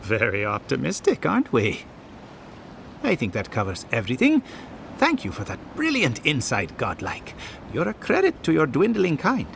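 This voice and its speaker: A man's voice: medium pitch, huge pitch swings, normal speed, creaky, fairly bright tone, a little hiss or hum, heavily acted. An actor playing a fussy, pompous male researcher with a theatrical, sardonic, condescending manner. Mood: sarcastic. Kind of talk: video game character dialogue.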